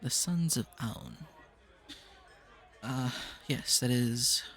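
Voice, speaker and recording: A man narrating lore as game master of a tabletop game, explaining history in a measured way. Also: medium pitch, animated, a bit bright.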